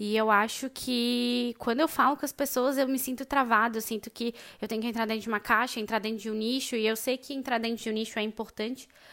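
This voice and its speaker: In an ordinary speaking voice, a woman talks at a fairly quick pace with fairly high pitch and fairly even intonation, on a very clean recording with a silent background. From Florianópolis, southern Brazil. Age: 20s. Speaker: architect, listener sending voice message. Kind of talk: recorded voice message.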